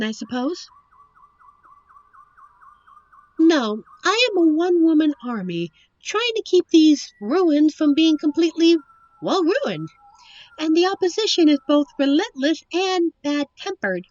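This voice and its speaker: A woman playing a captive young princess in a roleplay audio drama, witty and wistful, with genteel, formal storybook phrasing and thoughtful pauses. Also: high-pitched, sing-song, darkish tone, no room sound, lo-fi sound. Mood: proud, wry. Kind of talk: roleplay audio drama, one side of a dialogue.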